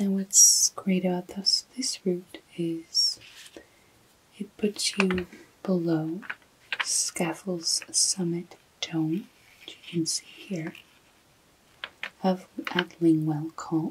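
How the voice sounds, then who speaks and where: Soft-spoken, with an American accent, the speaker goes at a very slow pace. Long, frequent pauses break up the speech over noticeable background noise. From United States. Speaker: ASMR creator. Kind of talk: ASMR map tracing narration.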